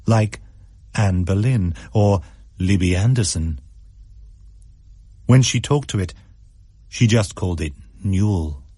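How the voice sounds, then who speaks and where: Guy reading a spooky story, low mellow husky voice, slow and wry. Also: dry recording, studio quality. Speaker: story reader. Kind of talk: storytelling narration.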